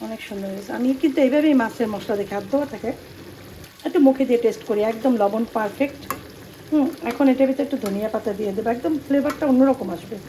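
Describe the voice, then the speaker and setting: A woman's voice: on the high side, quick pace, warm tone, a little hiss or hum, rough recording. A woman in her thirties with a Bangladeshi accent, chatting casually to the camera as she cooks and does chores in her home kitchen. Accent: Bangladeshi Bengali. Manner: chatty, talks to camera and family while doing chores. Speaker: home vlogger. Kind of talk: casual chatty cooking narration.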